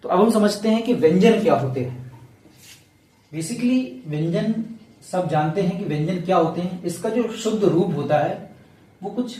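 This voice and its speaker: A man teaching a Hindi grammar lesson to students. He repeats the key points slowly so they stick. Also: high voice, lively intonation, warm tone, echoey room, recorded from a distance.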